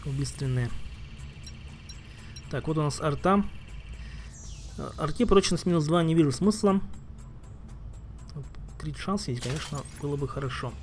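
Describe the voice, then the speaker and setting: A man's voice: fairly high pitch, animated, a little slow, long pauses, faint music behind. A man giving casual gameplay commentary as a streamer, thinking aloud and muttering asides while he plays. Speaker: game streamer.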